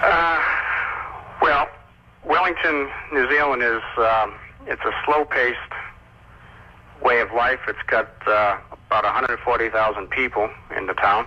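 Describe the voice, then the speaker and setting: An American-accented man speaks at a very slow pace with long, frequent pauses. Background noise is noticeable. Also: medium pitch for a man, ordinary pitch variation. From Boston. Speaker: agricultural attache. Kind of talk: radio interview. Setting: phone call.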